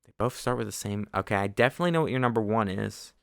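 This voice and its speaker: An enthusiastic young man co-hosting a podcast, jumping in eagerly to add his own thoughts. His voice sits low and sounds smooth, recorded dry and close to the mic. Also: animated, very fast, a bit bright, no room sound. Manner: enthusiastic, chimes in often. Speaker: podcast co-host. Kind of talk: casual chat.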